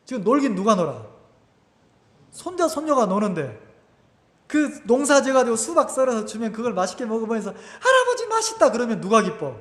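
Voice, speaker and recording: Animated pastor preaching in echoey hall. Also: male voice, high-pitched, fairly quick. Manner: animated, conversational preaching with rhetorical questions. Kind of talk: sermon. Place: church sanctuary.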